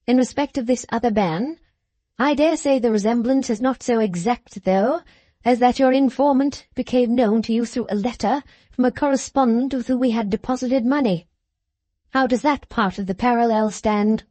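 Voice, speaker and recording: A woman voicing a stern, unyielding older mother, a widow in a wheelchair, who speaks in a slow, measured way. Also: on the high side, mellow, no room sound, pitched above the performer's own voice, natural voice.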